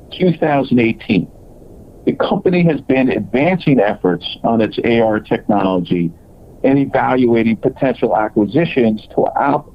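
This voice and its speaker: A man presenting as a company executive, reading scripted earnings call remarks in a halting way with broken phrasing. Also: mid-range voice. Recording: dull, lo-fi conference call audio.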